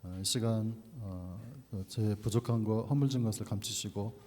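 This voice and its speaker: A man's voice: fairly low pitch, normal speed, warm tone. A man preaching as a pastor at a church service, speaking from the pulpit in an echoey hall. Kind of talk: sermon with scripture reading and prayer. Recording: echoey hall with long reverb.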